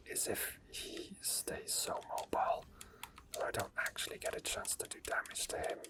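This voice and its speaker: A gaming ASMR video creator whispers unscripted gameplay commentary, soft and breathy, thinking aloud at an unhurried pace.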